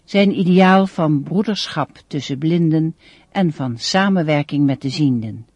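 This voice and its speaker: Elderly female speaker, radio play, solemn measured oratory, very dry acoustic. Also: deep voice, darkish tone, slightly rough, no room sound. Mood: solemn, impassioned. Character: elderly deafblind woman giving an impassioned, dignified speech. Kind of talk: formal ceremonial speech in radio drama.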